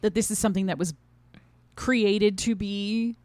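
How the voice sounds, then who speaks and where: A woman's voice: mid-range voice, fairly even intonation, unhurried, darkish tone, no echo. A woman co-hosting a podcast, casually talking through a review in an agreeable, affirming way. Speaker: podcast co-host.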